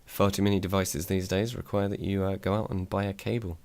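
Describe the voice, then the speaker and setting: A man's voice: little pitch movement, brisk, gravelly, a little mellow, no room sound. A man, reviewing a microphone in a casual, dry, self-deprecating way. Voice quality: low voice. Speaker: tech reviewer. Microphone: desk microphone on a mic arm.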